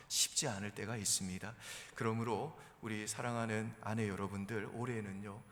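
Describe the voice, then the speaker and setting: A pastor in a church sanctuary delivers a sermon to his congregation, telling it conversationally like a story. His voice is lowish and a bit bright, and the reverberant hall recording carries a little hiss or hum.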